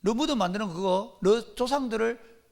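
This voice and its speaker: A man's voice: high-pitched, moderate pace, creaky, a little mellow. A man quoting a mocking male teacher in a sarcastic, chiding tone.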